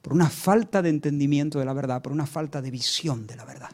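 A high-pitched male preacher delivers a dramatic sermon. He repeats words for emphasis and swings between near-whispers and ringing declarations. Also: fast talker, darkish tone.

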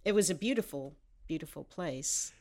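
An older American woman, a television writer, speaking as a guest in a casual interview, measured and reflective. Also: low-pitched, animated, darkish tone. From United States. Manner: measured, reflective, thinks aloud.

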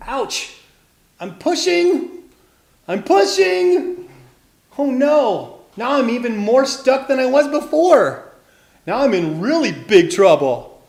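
A man's voice: very high-pitched, very animated, moderate pace, darkish tone, voice pushed up. A man voicing an earnest young female fish, emphatic and determined, in a children's storybook. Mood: panicked. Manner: emphatic, exclaiming. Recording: roomy, echoing space.

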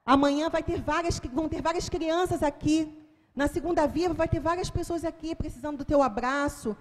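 Woman, Brazilian accent, high voice, sermon testimony, dramatic and fervent, reverberant church hall. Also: darkish tone, a little hiss or hum. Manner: dramatic storytelling that swells into fervent proclaiming. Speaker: church speaker giving testimony.

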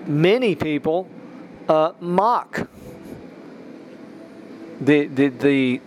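A man's voice: on the high side, slight background noise. A man hosting a casual Christian podcast, rambling with restarts and rising emphasis. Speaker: podcast host.

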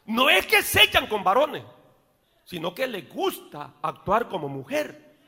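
A male pastor preaching a sermon in church, rising to shouts and dropping into joking asides. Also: high voice, wildly swooping pitch, unhurried, vocal fry, slightly rough. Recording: long reverb of a church hall.

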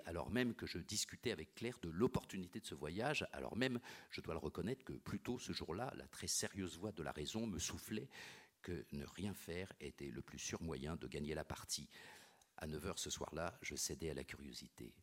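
A male audiobook narrator telling a first-person novel in a measured, wry way. His voice sits very low and carries a husky, breathy texture. The delivery stays steady and literary throughout.

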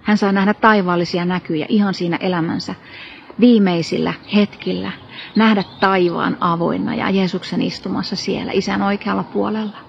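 A woman's voice: medium pitch, steady tone, vocal fry, a little hiss or hum. A woman preaching a sermon, retelling a Bible story with earnest emphasis and rhetorical questions. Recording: dull lo-fi recording.

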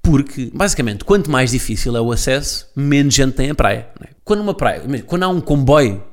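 A man's voice: mid-range voice, animated, a little fast, darkish tone. A man with a European Portuguese accent, hosting a casual solo podcast from home, rambling with jokes and self-correcting asides. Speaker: podcast host. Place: at home alone.

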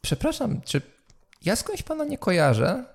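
Shrill prying townswoman played by a man in falsetto, high and nosy. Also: wildly swooping pitch, unhurried, gravelly, full character voice.

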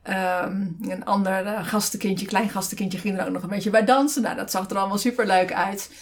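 A woman's voice: mid-range voice, fairly even intonation, a little fast. A woman co-hosting a casual podcast from a desk beside her partner, telling a story with many fillers and restarts. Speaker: podcast co-host.

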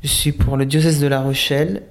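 A man in his twenties from Italy, a seminary candidate answering interview questions in a hesitant, thoughtful way with many pauses and restarts. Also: on the high side, flat delivery, gravelly. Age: 20s.

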